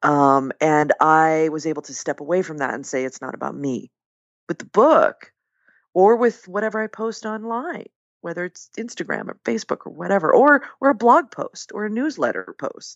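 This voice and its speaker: A woman speaks at a moderate pace with an American accent and a medium pitch. Her pitch swings very widely and her loudness rises and falls a lot. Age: 40s. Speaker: journalist and author, former radio host. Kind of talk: casual interview chat.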